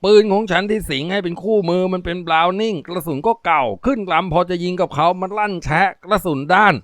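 A man voicing a timid male opium-addict henchman with a high, whining, pleading voice. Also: fast, a bit bright, no echo, clean studio sound.

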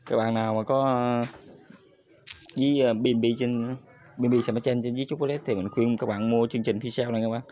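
A man's voice: mid-range voice, steady tone, brisk, mellow, dull audio, a little hiss or hum. A man hosting a screen-recorded crypto tutorial, talking viewers through each step and repeating his address to them constantly. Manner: repetitive, addresses viewers constantly as "các bạn".

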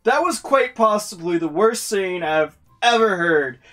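A YouTuber reading a visual novel aloud with slow, laughing, swearing commentary. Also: medium pitch, lively intonation, a bit bright, faint music behind. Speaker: let's-play YouTuber.

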